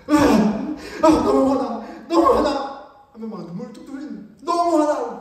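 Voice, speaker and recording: A man with a high, mellow voice preaches a lively, conversational sermon full of rhetorical questions. The sound is picked up from a distance and rings with the heavy echo of a large church hall. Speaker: pastor. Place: church sanctuary.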